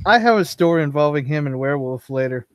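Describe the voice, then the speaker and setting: A man's voice: fairly high pitch, animated, fast talker, smooth, no room sound. Man chatting casually, dry sound. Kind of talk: casual chat.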